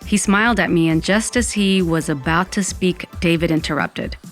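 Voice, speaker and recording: A woman's voice: lowish voice, moderate pace, faint music behind, close to an everyday voice. A woman playing a dramatic, dreamy young Latina who narrates her own story in an audio drama. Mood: wistful. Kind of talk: first-person scripted audio fiction narration.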